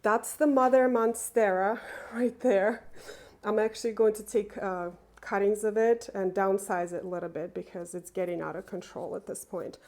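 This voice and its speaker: A woman chatting casually through a tour of her indoor plant room, unhurried and enthusiastic, with small laughs and fillers. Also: mid-range voice, fairly even intonation, a little mellow. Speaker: plant vlogger.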